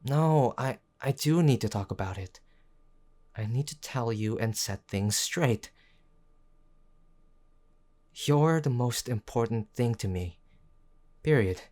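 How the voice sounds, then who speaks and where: A man playing a gruff but tender tsundere boyfriend in an intimate audio roleplay, speaking in a halting, earnest way. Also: medium pitch, expressive, a little mellow. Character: gruff young tsundere boyfriend, worried, stubborn, tender underneath.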